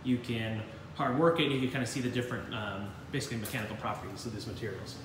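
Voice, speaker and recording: A man's voice: medium pitch, steady tone, quick pace, distant mic, noisy background. A male engineering instructor strolls through a lab, explaining equipment in a loose, rambling way full of fillers. The sound comes from a phone held while walking, his voice set back from the mic in a very echoey room. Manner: casual, rambling with many fillers and self-deprecating asides. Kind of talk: informal lab tour walkthrough. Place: university materials lab, indoors. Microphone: handheld phone camera while walking.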